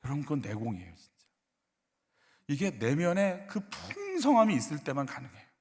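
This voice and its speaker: A male pastor preaching a sermon, questioning the congregation and acting out short skits in a softer, lower voice. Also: wildly swooping pitch, fairly quick, in a large hall. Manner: acts out short skits, softening into a low hushed voice for quoted lines; asks the congregation questions, leads a call-and-response exercise. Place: church sanctuary.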